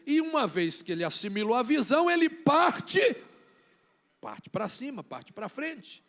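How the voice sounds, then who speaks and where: A Brazilian man preaching a sermon, acting out little scenes and building to shouted lines. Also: high voice, big pitch swings, moderate pace. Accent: Brazilian Portuguese. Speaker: bishop preaching.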